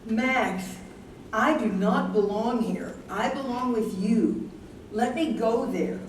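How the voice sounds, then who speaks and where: A woman's voice: on the high side, takes it slowly. A woman in a staged reading, playing a devoted, plaintive elderly wife who has Alzheimer's, with earnest delivery. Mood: pleading. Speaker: stage reader. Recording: echoey room, far from mic, background noise.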